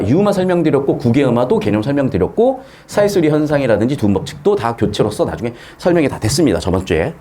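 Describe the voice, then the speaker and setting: A middle-aged man teaching grammar in a casual lecture, asking rhetorical questions and dropping blunt slangy asides. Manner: lively, swings pitch widely, asks rhetorical questions, blunt slangy asides. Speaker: Korean grammar tutor.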